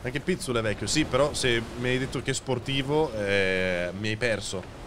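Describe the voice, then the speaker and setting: A man streaming a game and chatting along in a relaxed, loose way, swearing now and then. His voice sits at an ordinary middle pitch. Clear noise runs behind him the whole time. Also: normal speed. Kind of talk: casual gaming chat.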